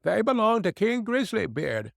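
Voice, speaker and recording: A man voicing a rough, plain-spoken travelling fiddler in a read fairy tale. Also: high-pitched, big pitch swings, normal speed, fairly bright tone, no echo, clean studio sound, voice pushed up, full character voice. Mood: teasing.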